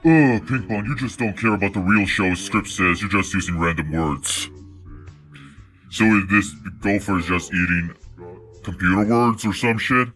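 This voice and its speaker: A foul-mouthed little cartoon dragon sidekick played by a man, pitched low. He complains sarcastically, with faint music behind him. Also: normal speed, fairly bright tone, natural voice. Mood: grumbling. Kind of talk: fan parody cartoon dub.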